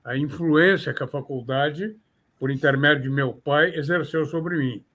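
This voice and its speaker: An older man speaks with a São Paulo Portuguese accent in slow, formal, somewhat florid sentences. He is a criminal defense lawyer answering interview questions thoughtfully. His voice sits slightly high for a man. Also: a bit bright. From São Paulo, Brazil.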